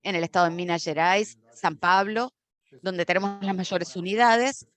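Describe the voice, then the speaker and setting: A woman giving a simultaneous interpretation of a corporate conference talk, steady but often correcting herself mid-word. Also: on the low side, moderate pace. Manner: steady with frequent self-corrections and restarts.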